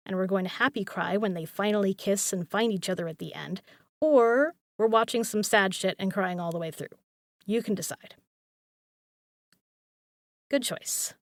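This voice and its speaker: A woman's voice: medium pitch, dry recording, studio quality. A woman acting a caring, teasing young roommate in an intimate audio roleplay, speaking casually with playful emphasis and some swearing.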